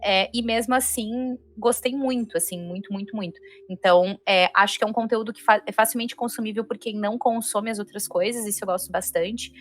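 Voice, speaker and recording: Brazilian woman, mid-pitched, casual and emphatic. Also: a little fast, hardly any pauses. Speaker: panelist on a reaction show. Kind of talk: casual spoken review chat. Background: music.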